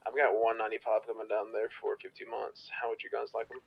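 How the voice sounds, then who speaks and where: A man's voice: fairly low pitch, little pitch movement, quick pace, gravelly, noisy background. A man speaking as a jail officer over a walkie-talkie, in clipped radio codes. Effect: heard over a walkie-talkie. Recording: muffled two-way radio.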